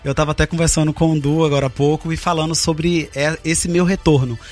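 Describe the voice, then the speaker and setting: Male actor, heartfelt guest, slightly high, light music bed. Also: steady tone, brisk. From Bahia, Brazil. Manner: earnest, heartfelt. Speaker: stage actor. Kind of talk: interview guest.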